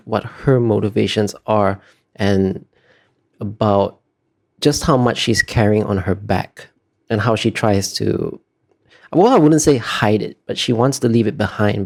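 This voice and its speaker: A man's voice: lowish voice, normal speed, vocal fry, darkish tone. A man being interviewed as an artist, talking casually and thoughtfully, often hesitating as he searches for words. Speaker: interview guest, concept artist.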